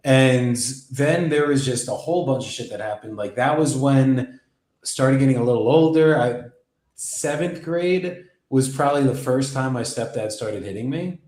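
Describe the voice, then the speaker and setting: Young male host, mid pitch, loose rambling delivery, lots of cursing, roomy echo. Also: moderate pace, darkish tone. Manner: rambling, heavy swearing and fillers. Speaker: podcast host. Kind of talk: casual personal storytelling. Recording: echoey room.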